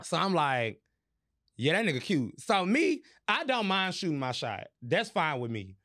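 A man hosting a podcast, telling a story in casual chat, animated and profane, laughing as he goes. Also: a little high, measured pace. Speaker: podcast host.

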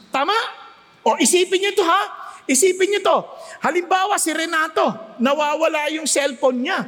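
A man with a Filipino accent preaching a sermon, animated and joking with the congregation as he moves between Tagalog and English. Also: very high-pitched. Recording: long hall reverb.

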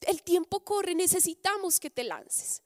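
Casting: a woman playing a devoted father shouting encouragement, pitched high, pressing and urgent. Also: big pitch swings, unhurried, no room sound, studio quality, exaggerated voice. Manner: urgent, strong calling. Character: loving father calling to his son.

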